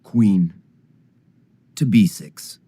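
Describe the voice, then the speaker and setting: A weary male android, played by a man, in a film drama. The voice is soft-edged and dark, moving slowly through formal, carefully measured phrases with quiet curiosity. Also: lowish voice, dry recording. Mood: calm, formal.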